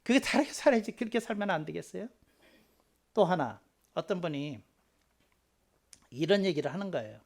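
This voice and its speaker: A man preaching a short children's sermon as a pastor, talking conversationally, repeating key phrases and swinging into loud, emphatic bursts. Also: sits high, expressive, normal speed, creaky, long pauses.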